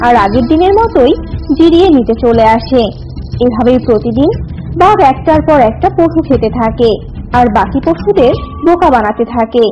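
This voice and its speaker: A woman's voice: sits high, lively intonation, normal speed, dark tone, highs cut off, faint music behind. A woman narrator reading a scripted children's animal story.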